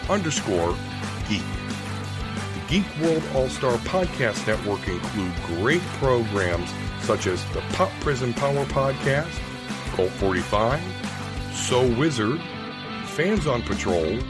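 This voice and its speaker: A man reads a scripted podcast promo in an upbeat announcer style. His voice is mid-pitched with a very lively, swinging intonation. Loud plucked guitar music plays behind him. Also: takes it slowly.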